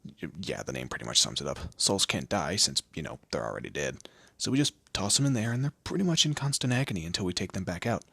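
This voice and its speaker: A man performs a smug male demon lord for an audio roleplay. His low voice is husky and swoops with theatrical condescension. He is proud and teasing, as if torment were office work. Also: big pitch swings, fast, sharp tone, no room sound, heavily acted. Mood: wry, matter-of-fact. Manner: theatrical, condescending, drawling, with amused asides. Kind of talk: scripted audio roleplay addressed to the listener.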